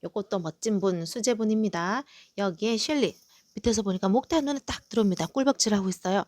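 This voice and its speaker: A woman's voice: medium pitch, fast, darkish tone, dry recording, studio quality. A middle-aged woman hosting a live sale of potted succulents, cheerfully listing each plant and its price. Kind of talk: live sales presentation.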